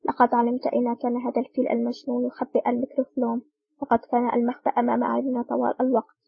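A man's voice: very high voice, completely flat delivery, very fast, gravelly, slightly rough, narrow, tinny audio, heavily acted. A woman reading a cold, curt male agent. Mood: triumphant. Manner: curt and scolding. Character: cold, sharp-tongued male special agent.

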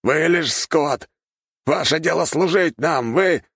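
A man voicing a cruel, arrogant high-caste male commander who hisses out slow, menacing threats. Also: a bit bright, husky, no echo, studio quality, exaggerated voice.

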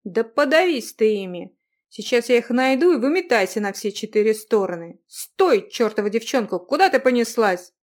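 A woman voicing a brash, headstrong young man who speaks loudly and commandingly. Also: mid-range voice, lively intonation, a little slow. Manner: loud, commanding, cocky.

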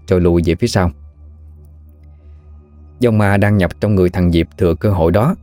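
A man narrating a ghost story in a steady, even storytelling manner. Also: on the low side, dry recording.

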